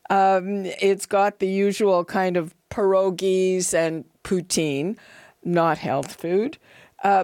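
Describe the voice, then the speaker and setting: Woman radio host, talks real slow and playful, dry close sound. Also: medium pitch, a little mellow, dry recording. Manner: playful, chatty, laughs easily. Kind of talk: radio panel discussion.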